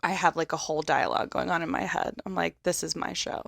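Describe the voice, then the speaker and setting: A woman's voice: low voice, fast, vocal fry, fairly bright tone, dry recording, studio quality. A young woman co-hosting a podcast, talking casually in a rambling way full of fillers and wry asides. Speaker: podcast co-host. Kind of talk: casual chat.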